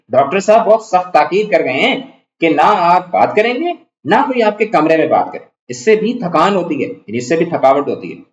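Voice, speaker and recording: Give me a man reading as a chiding, fussy middle-aged wife, voice pitched up, in an echoey room with dull sound. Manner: chiding, fretful, bustling. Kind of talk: reading a play aloud in class.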